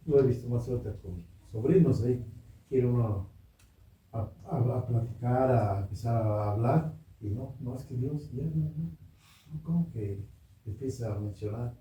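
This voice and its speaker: A man's voice: medium pitch, normal speed, mellow. Distant echoey man speaking up in class. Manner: hesitant, rambling, with restarts. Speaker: class participant. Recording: distant, very echoey, with faint noise.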